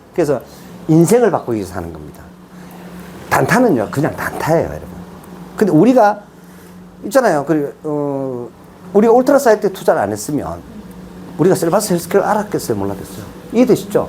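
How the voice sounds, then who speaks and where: This voice rushes along at a very fast pace, broken by long, frequent pauses, over noticeable background noise. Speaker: investment seminar lecturer. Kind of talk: lecture. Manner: animated.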